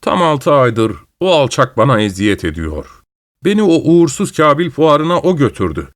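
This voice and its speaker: A man's voice: medium pitch, very animated, normal speed, dry recording, clean studio sound, voice pushed up, lightly acted. A man voicing a distraught young nobleman who talks in an agitated, pleading way. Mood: frantic.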